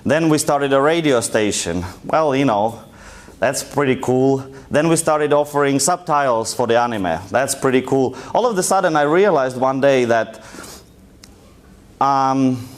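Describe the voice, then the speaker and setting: With a mid-range voice and an unhurried delivery, a young man from Russia speaks to an audience in a lecture room in a thick Russian accent. His live conference presentation is casual and joking, told in a loose, storytelling way.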